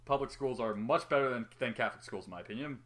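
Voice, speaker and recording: A man's voice: medium pitch, fast talker, fairly bright tone, a little hiss or hum. A man hosting a fan-fiction reading, chatting in a casual, joking way and swearing freely. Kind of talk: casual banter.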